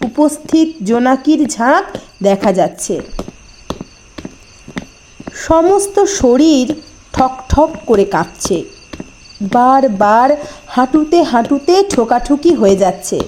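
A woman reading a scripted first-person horror story as narrator, with dramatic, deliberate phrasing and short pauses. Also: high voice, lively intonation, a little mellow, a little hiss or hum.

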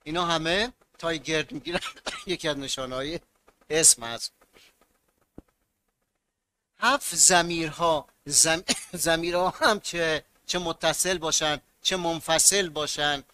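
Man, teacher, grammar lesson, bright forceful voice, slightly high pitch, repeats words for students. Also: long pauses, a little hiss or hum. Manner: repeats key words, asks students to fill in blanks.

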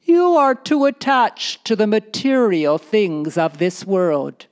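A proud, poor desert nomad husband, as a woman storyteller plays him. He declaims emphatically in a raised, high voice, slowly and deliberately. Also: big pitch swings, darkish tone. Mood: lecturing.

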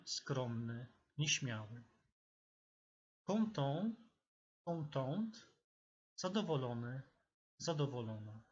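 A man teaching a vocabulary lesson, speaking slowly and deliberately with pauses between words. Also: medium pitch, a bit bright. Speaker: language teacher. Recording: dull lo-fi recording.

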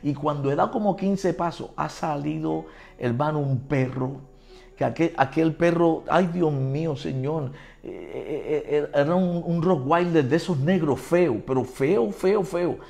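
A man with a Puerto Rican accent preaching a sermon, telling stories in an animated, colloquial way. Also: unhurried, gravelly. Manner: animated, colloquial, drops to deep low tones for emphasis. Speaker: pastor. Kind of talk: sermon with storytelling.

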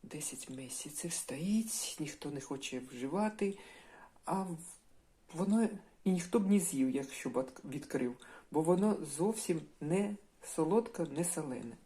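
A woman narrating a casual cooking vlog from her home kitchen, thinking aloud step by step at an unhurried pace. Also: low-pitched, expressive, warm tone. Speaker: home cook, channel host. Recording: kitchen cooking noise behind voice. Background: sizzling frying pan.

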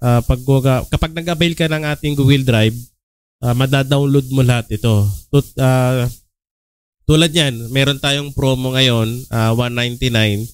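Filipino male tutorial host, young, relaxed and filler-heavy, clean dry close-mic sound. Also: medium pitch, a little slow, clear, resonant tone, no echo. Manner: relaxed, many filler "ah" and "okay?" check-ins. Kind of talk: casual screen-recorded tutorial.

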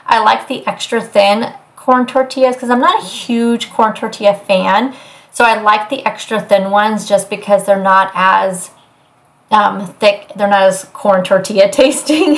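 A woman's voice: mid-range voice, fairly bright tone. A woman chatting casually through a meal prep video in her home kitchen, rambling with fillers. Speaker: cooking vlogger.

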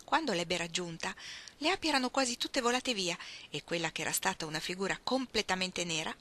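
A woman reading a novel aloud in an expressive storytelling manner. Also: on the low side, fairly quick. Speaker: reader.

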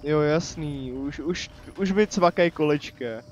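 A man's voice: a little high, darkish tone, muffled recording, slight background noise. A man casually commenting on his own gameplay, chatty and joking, talking to the enemies on screen. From Czechia. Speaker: let's play commentator. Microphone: desk microphone.

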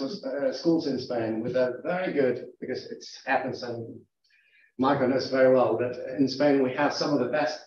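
A man's voice: medium pitch, a little hiss or hum. A man chairing an academic seminar, asking probing, argumentative questions from the floor. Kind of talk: academic Q&A discussion. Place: lecture room. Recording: echoey, distant, dull room recording.

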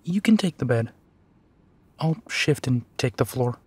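A man playing a devoted werewolf detective in an audio drama. He talks slowly and softly in a mid-range voice, earnest and reassuring, as if to one person close by. The recording is close and dry. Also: medium pitch, lively intonation, husky, dry recording. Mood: tender, reassuring. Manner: slow, soft, reassuring, with pauses and sighs. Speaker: audio roleplay voice actor. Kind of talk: intimate second-person audio drama roleplay.

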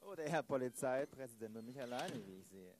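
A man's voice: medium pitch, lively intonation, fairly quick, crowd noise, lightly acted. A man playing a disillusioned old police inspector in a radio play, dry, resigned and sardonic. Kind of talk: improvised German radio play.

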